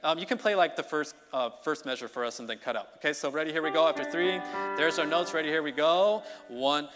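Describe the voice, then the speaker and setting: A man preaching an informal midweek sermon as song leader, talking in a conversational, energetic way that keeps checking in with the congregation. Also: fairly high pitch, fairly quick, over music. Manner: conversational, energetic, often checks in with "okay?" and "you know". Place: church sanctuary. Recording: long reverb of a church hall.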